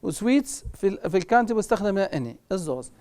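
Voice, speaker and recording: A woman with a Libyan Arabic accent teaching an English grammar lesson on television. She says the English examples slowly and deliberately, then explains them quickly. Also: medium pitch, sing-song, mellow.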